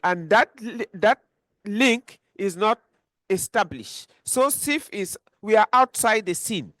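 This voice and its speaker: A woman speaking as a panelist and network coordinator, earnest and halting, often restarting her sentences. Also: medium pitch, lively intonation, fairly bright tone, dry recording, clean studio sound. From Cameroon. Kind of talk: panel discussion remarks.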